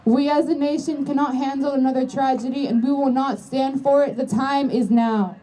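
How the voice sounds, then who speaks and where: A woman's voice: sits high, steady tone, moderate pace, dark tone. A young woman student leading a rally with a solemn, impassioned speech. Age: young adult. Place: outdoor school campus. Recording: distant mic, faint outdoor noise.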